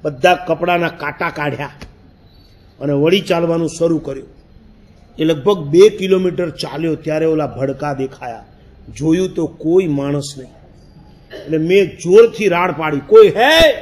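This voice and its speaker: Animated high-voiced monk storytelling. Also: male voice, moderate pace. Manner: animated storyteller, acts out his own past words, laughs. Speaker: Jain monk. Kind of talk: sermon storytelling.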